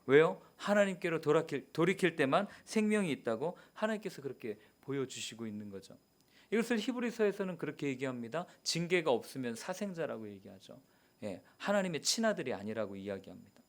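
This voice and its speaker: A man's voice: on the high side, sing-song, fairly quick. A male pastor giving a sermon, telling a childhood story and then rising to emphatic preaching. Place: church sanctuary.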